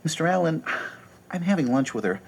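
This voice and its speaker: A man's voice: a little high, animated, a little fast, gravelly, a little mellow, breathy edge, heavily acted. A fussy, formal young man. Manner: formal, precise, fretful.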